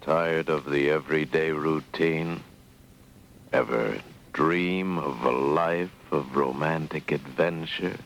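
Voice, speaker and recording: A man announcing in brooding, deliberate 1940s radio drama style, on an old worn recording. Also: extremely low pitch, fairly bright tone, slight background noise, heavily acted.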